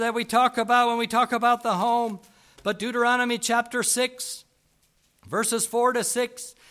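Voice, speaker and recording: A man speaks in an extremely high pitch with a raised, projected voice. His tone is bright and sharp, and his intonation is monotone and flat. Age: 40s. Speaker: visiting preacher. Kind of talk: sermon.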